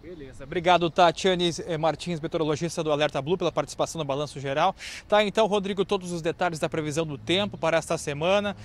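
Upbeat high-voiced male field reporter. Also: fast talker. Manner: upbeat, chatty. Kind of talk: live outdoor news report. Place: outdoors on a city street. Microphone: handheld reporter mic.

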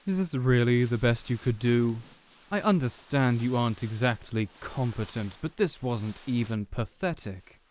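A man playing a smug, contemptuous supervillain in an audio roleplay, speaking in a deliberate, condescending way. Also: medium pitch, darkish tone, slight background noise, natural voice. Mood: scornful. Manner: deliberate, condescending, theatrical monologuing. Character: smug, contemptuous male supervillain gloating over a beaten rival. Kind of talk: audio roleplay villain acting.

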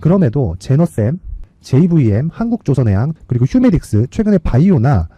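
A man delivers stock market commentary in a very dark, mellow voice with a husky edge. His pitch moves about in a lively way as he explains and persuades. He sounds assertive, often setting up a point with a rhetorical question. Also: a little fast, no echo, muffled recording. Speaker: stock tipster and presenter.

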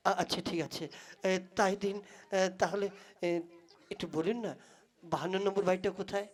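A woman's voice: mid-range voice, fairly even intonation, fairly quick, lightly acted. A woman playing a courteous, hesitant man who is a stranger in a village, in a comic puppet play. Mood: hesitant, insistent. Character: polite, hesitant, increasingly impatient male stranger seeking directions.

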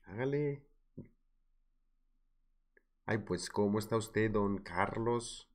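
A man putting on a Colombian paisa accent, voicing a cheerful man who greets people warmly in a playful, sing-song way. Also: fairly low pitch, takes it slowly. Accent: Colombian paisa, put on.

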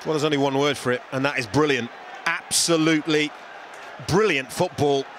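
A man giving measured football co-commentary, stressing key words by repeating them. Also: a little high, steady tone, a bit bright, slight background noise. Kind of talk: football match analysis.

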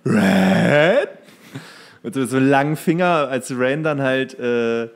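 A man in a casual podcast chat, co-hosting and retelling things in an animated manner. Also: mid-range voice, measured pace. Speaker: podcast co-host. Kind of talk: casual chat about cartoons.

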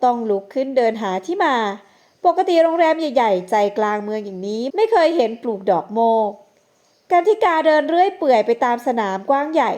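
Woman narrator for an audio novel, high voice, measured and expressive delivery. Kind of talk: scripted narration.

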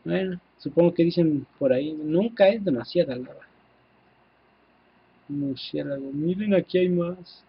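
A man with a Mexican accent giving casual, excitable gameplay commentary, swearing freely and talking to his viewers. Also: a little high, measured pace, dull audio, a little hiss or hum. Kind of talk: casual let's-play commentary.

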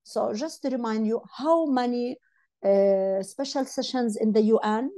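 A woman in her sixties whose first language is Arabic, speaking on an online panel over a video call, halting with many fillers and restarts. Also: on the high side, dark tone. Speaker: panel speaker, legal advisor. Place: home room. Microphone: earphone headset on video call.

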